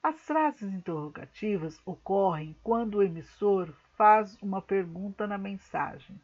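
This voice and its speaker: A woman teacher with a Brazilian Portuguese accent, reading a grammar lesson slowly and carefully to her class. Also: mid-range voice, animated, a little mellow, lo-fi sound. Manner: slow, careful explanatory reading. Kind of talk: recorded online grammar lesson.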